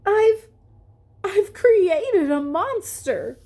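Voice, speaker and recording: A woman's voice: very animated, very slow, warm tone, exaggerated voice. A woman voicing an anxious male pig inventor in a storybook, with a fretful, breath-catching delivery. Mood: horrified. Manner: high, gasping, fretful delivery.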